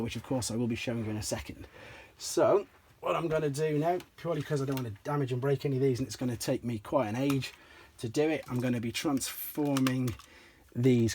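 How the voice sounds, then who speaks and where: A keen toy collector, slightly hoarse and clearing his throat, casually explains and demonstrates items from his collection step by step, often saying "um." His voice is mid-range and a little mellow, with slight background noise.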